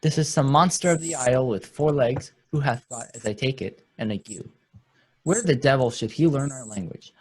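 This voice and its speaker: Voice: mid-range voice, normal speed, breathy edge, close to an everyday voice. A performer playing a bawdy, swaggering shipwrecked sailor in a Shakespeare radio play. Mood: blustering.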